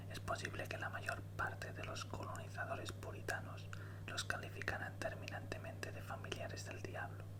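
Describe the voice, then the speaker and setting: Whispering at a fairly slow pace, a man is heard against noticeable background noise. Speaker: ASMR content creator. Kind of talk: horror story reading aloud. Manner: slow, measured, whispered.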